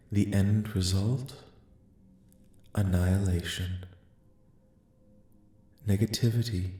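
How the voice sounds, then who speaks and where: A man playing a calm, benevolent alien envoy in a soft-spoken ASMR roleplay, speaking formally and solemnly in a measured, soothing way. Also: lowish voice. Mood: grave. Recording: echoing, reverberant voice track.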